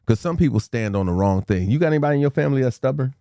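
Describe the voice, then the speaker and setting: A man hosting a casual livestream talk show, playful and chatty with his guest and viewers, now and then breaking into a quick rhyme. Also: medium pitch, expressive, warm tone, dry recording, studio quality. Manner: playful, hypes the audience, drops into quick freestyle rhymes. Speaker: livestream host.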